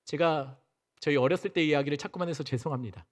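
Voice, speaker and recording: A man's voice: a little high, fast. A male senior pastor preaching a Sunday sermon in a church sanctuary, talking conversationally and asking the congregation questions. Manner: conversational, asks the congregation questions and acts out quotes.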